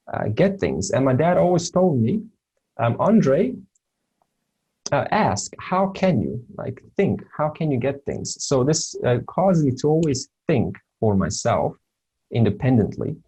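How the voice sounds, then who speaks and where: Brief: male teacher from serbia, native serbo-croatian speaker, dark mellow tone, halting talk full of fillers. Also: mid-range voice, gravelly, breathy edge, rough recording. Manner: hesitant, many fillers and restarts. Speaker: spiritual teacher. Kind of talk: informal lesson talk.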